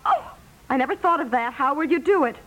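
A flustered wife and mother in a vintage radio comedy. Her voice sits high and swings widely, with halting, exasperated delivery that still has a tender streak. It sounds like an old 1950s broadcast. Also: lively intonation, fairly bright tone, low-quality recording. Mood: squeamish, pleading. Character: flustered, bickering but tender housewife and mother.

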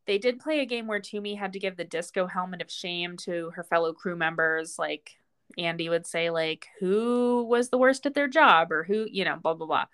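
A woman's voice: fairly low pitch, steady tone, moderate pace, a bit bright, clear, resonant tone. A middle-aged woman chats as co-host of a reality TV recap podcast. Her delivery is informal and giggly, like talk between friends. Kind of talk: casual reality TV recap chat.

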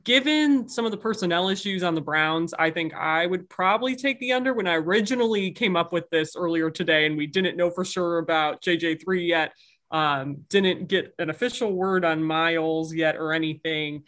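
Woman panelist with a bright, sharp voice; measured, explains her reasoning. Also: on the low side. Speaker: podcast panelist. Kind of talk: casual sports podcast chat.

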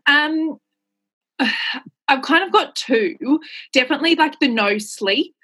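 A woman's voice: high voice, expressive, slow, pushed and bright. A young Australian woman with a slight nasal head cold, chatting as a podcast guest in a bubbly, filler-heavy way. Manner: chatty and upbeat, many fillers and quoted asides. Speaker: podcast guest, makeup artist. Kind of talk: casual interview chat.

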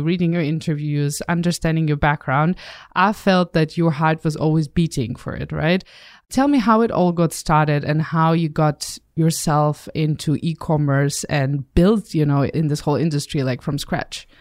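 A woman's voice: deep voice, no room sound. Podcast host woman in a dry studio. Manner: scripted intro, then conversational questions. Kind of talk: podcast interview. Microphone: studio microphone.

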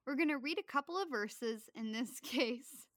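A woman's voice: high voice, normal speed, a bit bright, no echo, studio quality. A woman co-hosting a Bible study podcast, chatting casually and laughing easily. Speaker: podcast co-host.

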